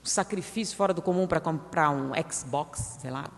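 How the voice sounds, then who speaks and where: A woman's voice: sits low, normal speed, vocal fry. A woman giving a public spiritist lecture, firing rhetorical questions at the audience and acting out their objections. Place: lecture hall of a spiritist center. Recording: reverberant lecture hall.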